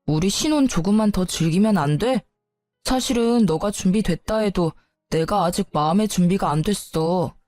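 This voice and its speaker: A woman's voice: on the low side, dark tone, dry recording, clean studio sound, lightly acted. A woman voicing a young husband who sighs, brushes off and scolds, in a Korean story reading. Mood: pleading. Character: young husband, defensive and impatient.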